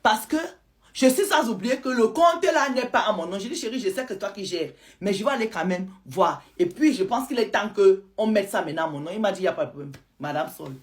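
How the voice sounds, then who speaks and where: A woman's voice: medium pitch, fairly quick. Woman telling a dramatic story. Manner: lively, retells a follower's account in first person. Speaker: storyteller host.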